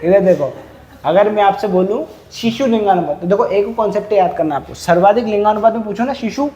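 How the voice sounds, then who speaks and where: A man with a high, soft, mellow voice teaches a class live. He fires questions at the students and repeats figures over and over to drill them in. He is heard through a lapel mic. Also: brisk, lo-fi sound. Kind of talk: classroom lecture.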